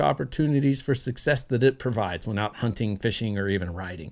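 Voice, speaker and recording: This man has an American accent, some vocal fry, and a fairly quick pace. The recording is very clean with a silent background. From Central Oregon, US. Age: 40s. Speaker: podcast host. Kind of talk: scripted narration.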